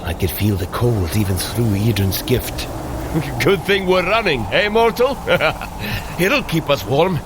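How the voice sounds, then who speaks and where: An actor playing a hearty, confident warrior god who coaches with formal, commanding speech in an audio adventure. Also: male voice, medium pitch, sing-song, slow pace, noisy background. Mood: cheerful, teasing. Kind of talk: scripted audio adventure acting.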